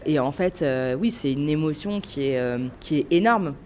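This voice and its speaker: A woman co-owner of a restaurant speaks in an interview, excited and quick to laugh. Her voice sits a little low for a woman, with faint background noise on the recording. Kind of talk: interview answers.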